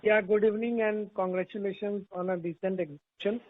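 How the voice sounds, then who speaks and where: A man's voice: high voice, fairly even intonation, brisk, a little hiss or hum. A man asking a question as an analyst on an earnings call. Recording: tinny narrowband phone line.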